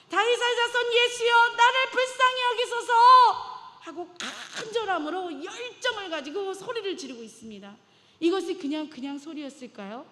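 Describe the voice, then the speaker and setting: A woman delivers a sermon with a high voice, retelling a Bible story with dramatic flair. Her speech rings with the long reverb of a church sanctuary. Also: fairly bright tone. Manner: dramatic, acts out biblical voices. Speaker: preacher.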